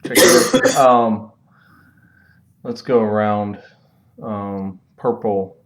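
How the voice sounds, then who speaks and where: A man's voice: on the low side, steady tone, extremely slow, a little hiss or hum. Unsure man counting spaces in a tabletop game. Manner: unsure, checking the rules, counting aloud. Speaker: player. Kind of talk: casual tabletop play.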